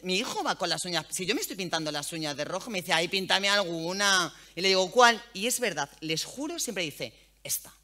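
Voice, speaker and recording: This is a lively public talk in an event hall, delivered by a woman who is a journalist and radio host. Her manner is frank and colloquial, full of animation and free swearing, while her bright voice bounces energetically up and down in pitch, like a veteran radio presenter.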